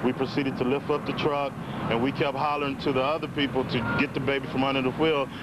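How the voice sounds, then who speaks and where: An American man giving a halting, plain-spoken eyewitness account in a television news interview outdoors. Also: mid-range voice, little pitch movement, very noisy.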